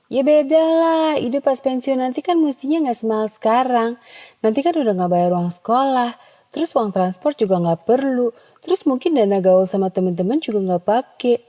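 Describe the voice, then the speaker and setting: A woman voicing a defensive listener who protests and makes excuses in a whiny way, higher than her own voice. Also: lively intonation, normal speed, warm tone. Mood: protesting.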